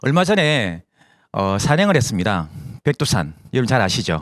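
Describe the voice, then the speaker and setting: A man at a medium pitch and moderate pace, with very wide pitch swings, on a very clean recording with a silent background and a dry, close sound with no echo. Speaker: motivational speaker at business seminar. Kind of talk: seminar talk.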